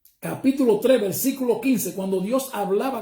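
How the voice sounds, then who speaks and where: Lively intonation rides on a dark, mellow tone. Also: man. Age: 60s. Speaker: missionary Bible teacher. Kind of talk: Bible study teaching. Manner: halting with frequent repetitions.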